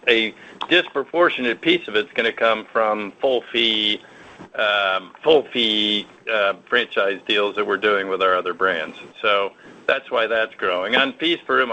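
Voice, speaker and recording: A man's voice: medium pitch, pushed and bright, a little hiss or hum. An American man, a company executive, answering analyst questions in a conversational, self-assured, explanatory way. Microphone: conference call line. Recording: dull lo-fi conference call audio.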